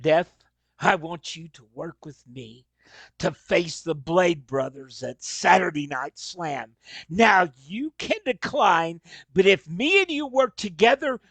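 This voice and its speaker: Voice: mid-range voice, lively intonation, slow pace, fairly bright tone, dry recording, heavily acted. A performer playing a vengeful, frustrated wrestler prince in a staged reading, declaring boasts and threats. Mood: determined.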